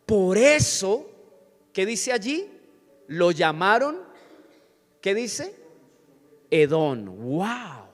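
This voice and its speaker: A man's voice: sits high, big pitch swings, drawn-out words, long pauses. A man, preaching a sermon in church and often asking the congregation questions. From Colombia. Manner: teaching with frequent questions to the congregation. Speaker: pastor. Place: church sanctuary. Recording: church hall reverb with faint music.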